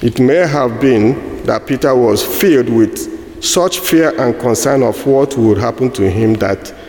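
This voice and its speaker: A man with a Nigerian accent preaching a sermon, slow and halting with fillers and restarts. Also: medium pitch, darkish tone. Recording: echoey hall with long reverb.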